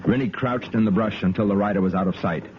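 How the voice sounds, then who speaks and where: A man playing a steady army lieutenant. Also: fairly low pitch, fast talker, natural voice. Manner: calm, matter-of-fact. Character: steady army lieutenant narrating his adventure. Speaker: narrator and hero. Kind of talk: 1950s radio drama narration. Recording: muffled old radio broadcast with hiss.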